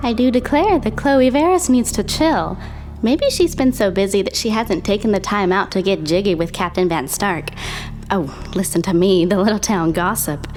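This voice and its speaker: A woman's voice: medium pitch, moderate pace, a little mellow, faint music behind, natural voice. A woman playing a sassy, nosy small-town gossip who narrates an audio drama in an arch, confiding way. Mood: gossipy. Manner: arch, confiding, mock-genteel.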